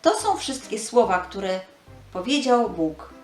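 A woman's voice: medium pitch, big pitch swings, slow pace, darkish tone, echoey room, soft background music. A woman giving a scripted narration of a Bible story for children.

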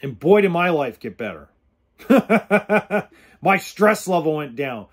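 A man in his forties, voice a touch high for a man, hosts a podcast in a sing-song, slow, husky way while staying blunt, earnest and plain-spoken. He gestures while talking casually to the camera, indoors in an RV or home kitchen, close to a studio mic with a pop filter.

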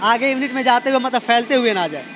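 A man's voice: extremely high pitch, expressive, fast, over music. A young man guiding a reporter through a printing factory, explaining each step plainly with restarts and fillers, on a handheld mic. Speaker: factory guide at a printing press. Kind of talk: explaining a production process on a walkthrough. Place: large indoor factory floor with running machines. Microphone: handheld mic held by the interviewer.

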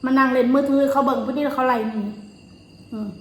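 Casual female storyteller, Isan accent, fairly high voice, chewing as she talks, roomy sound with faint noise. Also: steady tone, quick pace. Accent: Isan, northeastern Thai. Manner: chewing while talking. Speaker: vlogger. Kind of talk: casual chat, recounting personal stories.

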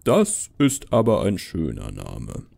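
A man voicing a jolly, avuncular old Santa who talks slowly and patronizingly to children in a storybook horror tale. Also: huge pitch swings, gravelly, a little mellow, full character voice. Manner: slow, booming, patronizing to children.

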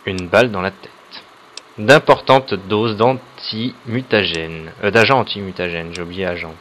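A man with a fairly low voice gives casual let's play commentary. He reads the game's choices aloud, then hesitates and pauses over his own choices, dropping in little jokes. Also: fairly bright tone. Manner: reads on-screen options aloud, hesitant with many fillers, joking asides.

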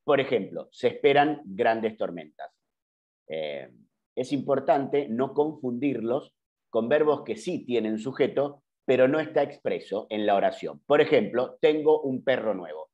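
This middle-aged man, speaking with an Argentine Spanish accent, patiently explains journalism in an online class, peppering his talk with "eh" and self-corrections. His mid-range, darkish voice is expressive and measured, captured by a computer mic with dull, lo-fi video call sound.

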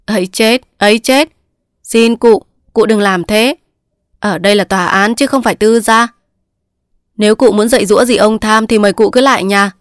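A fussy court clerk, officious and quick to lecture, then polite and helpful, read by a woman narrator. Dry, close sound without any echo. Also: medium pitch, fairly even intonation, lightly acted.

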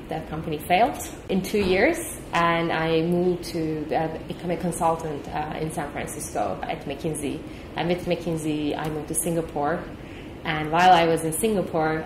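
Turkish-born woman exec being interviewed, a bit low voice, thinks out loud, noisy echoey room. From Turkey. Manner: thoughtful, repeats words as she thinks. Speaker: company executive guest. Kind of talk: interview answers. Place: office meeting room.

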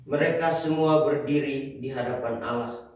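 A young man, a lector, reading scripture aloud in a slow, even voice in a small chapel, heard from a distance. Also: mid-range voice. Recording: very echoey chapel from far off.

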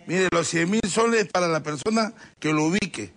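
A man's voice: high-pitched, normal speed, a bit bright. A man playing a self-important, brusque minister in a comic phone sketch.

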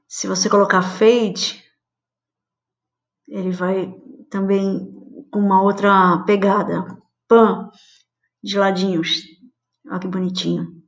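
A woman's voice: mid-range voice, gravelly. Chatty woman teaching over a webcam. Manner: chatty, many fillers and pet phrases. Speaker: design instructor. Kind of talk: casual screen-share tutorial. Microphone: webcam video call. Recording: slightly dull lo-fi webcam audio.

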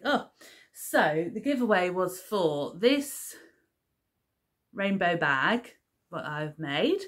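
A woman in her thirties chatting casually to camera as a crafting vlogger, rambling with lots of ums and restarts, recorded on a camera at table distance in her living room. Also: fairly low pitch. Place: living room at home, seated on a sofa.

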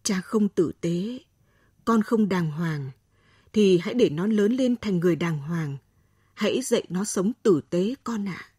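Give me a woman doing a patient, pleading aging father from a radio storybook. He talks slowly and tenderly. The voice is breathy and sits close on a dry recording. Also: high-pitched, animated, dark tone, no echo, voice pushed down, full character voice. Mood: gentle pleading.

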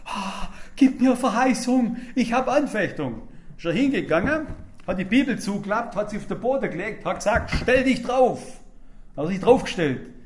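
An older man delivers a sermon in a high-pitched voice. He talks in a lively, emphatic way and keeps acting out the words of the people in his stories. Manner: lively, emphatic storytelling with acted-out quotes. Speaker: preacher.

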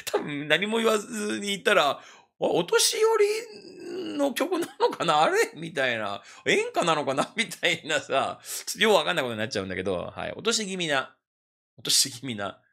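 A man hosting casual anime reaction commentary, animated and self-mocking, laughing often between phrases. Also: on the high side, normal speed, gravelly. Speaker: anime reaction channel host.

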